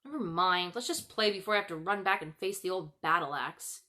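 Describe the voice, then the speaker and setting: A woman's voice: lowish voice, expressive, fairly quick, sharp tone. A woman voicing a sneering, cruel young boy in a storybook, irritable, snappish and mocking. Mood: scornful.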